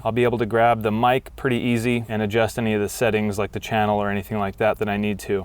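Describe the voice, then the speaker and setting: A man's voice: mid-range voice, clean tone, dry recording. An American man talking casually and informally, in an upbeat way, as he walks through a DIY project. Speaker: DIY vlogger. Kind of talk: casual build walkthrough to camera. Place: garage and inside a parked or moving truck. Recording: faint vehicle and ambient noise.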